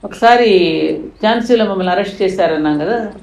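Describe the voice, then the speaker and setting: A woman's voice: medium pitch, fairly quick. Older female guest, fervent storytelling voice, roomy echo. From India. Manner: impassioned, rising to emphatic peaks. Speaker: guest speaker. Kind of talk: storytelling in an interview.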